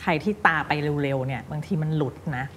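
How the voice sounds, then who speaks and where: A woman teaching English pronunciation, drilling single words slowly and then explaining quickly. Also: sits low, fairly bright tone, slight background noise. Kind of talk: pronunciation coaching. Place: recording studio.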